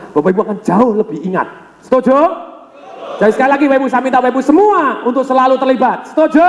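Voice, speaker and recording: Fast energetic guy running a sales seminar, high voice, keeps talking straight to the crowd, big echoey hall. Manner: energetic, keeps addressing the audience directly. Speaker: sales and motivational trainer. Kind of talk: live seminar address. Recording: echoey hall with long reverb.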